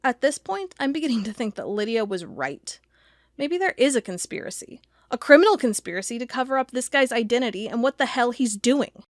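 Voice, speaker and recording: Actress as obsessive female investigator, audio drama. Fairly high voice, suspicious, emphatic, talking to herself. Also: big pitch swings, fairly quick, no room sound, studio quality. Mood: agitated, angry. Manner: thinking aloud, emphatic, muttering to herself. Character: agitated, suspicious woman investigator, sharp-tongued and obsessive.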